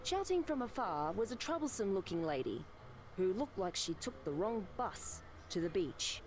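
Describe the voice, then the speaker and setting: A woman's voice: medium pitch, very animated, moderate pace, darkish tone, slight background noise, lightly acted. A woman acting a dramatic, playful narrator of a visual novel game. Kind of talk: theatrical scripted narration.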